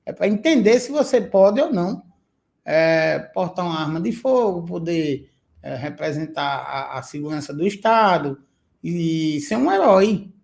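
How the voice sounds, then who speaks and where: A man's voice: fairly high pitch, expressive, unhurried, vocal fry, a little mellow. A male podcast host, speaking emphatically and indignantly, with hesitant fillers. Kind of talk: interview questions and commentary.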